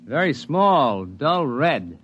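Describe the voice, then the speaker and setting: An actor in a radio drama playing a man who narrates his climbing story in a measured, matter-of-fact way. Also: medium pitch, very animated, fairly bright tone, dull audio, a little hiss or hum. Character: steady adult male climber telling his story.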